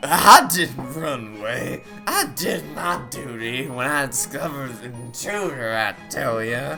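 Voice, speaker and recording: Over clear background music, a man does a put-on character voice at a medium pitch and a fairly slow pace. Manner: slurred, blustering.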